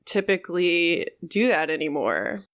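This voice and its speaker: A woman co-hosting a podcast, talking frankly in a halting way with many fillers. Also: on the low side, sing-song, a bit bright. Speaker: podcast co-host. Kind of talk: candid conversational podcast talk.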